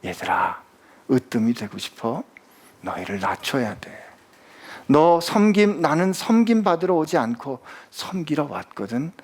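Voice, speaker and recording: A pastor voicing Jesus in a low, soft, tender way during a sermon. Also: male voice, big pitch swings, measured pace. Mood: gentle. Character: calm gentle male teacher figure, Jesus.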